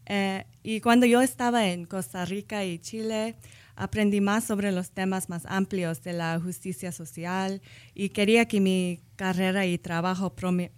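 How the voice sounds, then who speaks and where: A woman's voice: on the low side, fairly even intonation, unhurried, a little mellow, clear, resonant tone. A woman, speaking Spanish as a later language, answering interview questions carefully and correcting herself as she goes. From United States. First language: not Spanish. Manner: careful, thoughtful, self-correcting. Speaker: guest, social work professor.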